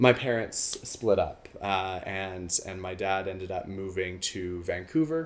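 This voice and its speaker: A man with a Canadian accent talks at a very slow pace in a very deep, low pitch. His loudness swings widely, and there is noticeable background noise. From Calgary, Alberta, Canada. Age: 30s. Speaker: podcast co-host. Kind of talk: casual chat.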